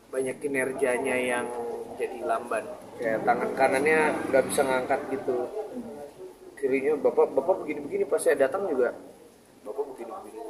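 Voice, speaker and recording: A man answering reporters' questions in a halting way, often repeating and restarting words as he recounts events plainly. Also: medium pitch, poor audio. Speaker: family member speaking to reporters. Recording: crowd chatter behind.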